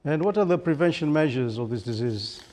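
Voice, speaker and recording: A man's voice: a little high, animated, a little fast, darkish tone. A man puts formal questions as a news interviewer. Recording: long reverberant hall-like echo.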